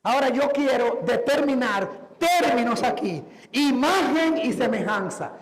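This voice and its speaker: A man's voice: extremely high pitch, lively intonation, measured pace, slight background noise. A man preaching a sermon, emphatic, repeating key words and putting questions to the congregation. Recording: echoey hall.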